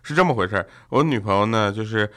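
A man's voice: fairly low pitch, animated, fast talker, pushed and bright. Young male comic host, joking and laughing through anecdotes. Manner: jokey, laughs often, mimics family in quotes. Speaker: radio show host. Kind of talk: comedic storytelling chat.

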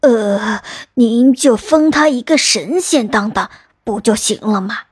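A woman voicing the male king of the underworld in a storybook tale, speaking slowly and formally to his ruler. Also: a little high, lively intonation, no echo, studio quality. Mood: solemn. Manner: slow, formal, deferential. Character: pompous solemn male king of the underworld, courtly.

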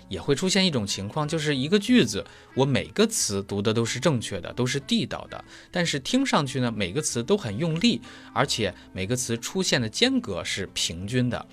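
A man's voice: mid-range voice, a bit bright. Man teaching German pronunciation with analogies. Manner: explains step by step with everyday analogies. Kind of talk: explanatory lesson.

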